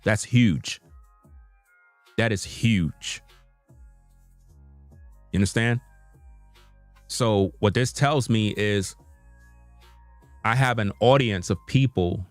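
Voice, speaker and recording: A man's voice: fairly low pitch, slow pace, long pauses, no echo, soft background music. A man, talking to his viewers in an unscripted live stream from his computer, earnest and repetitive, with informal slang. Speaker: YouTube content creator. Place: home room at a computer.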